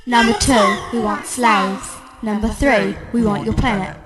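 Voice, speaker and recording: A woman voicing a menacing alien who lists its demands in a flat, deliberate way. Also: medium pitch, natural voice. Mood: threatening. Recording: distant, heavy music behind.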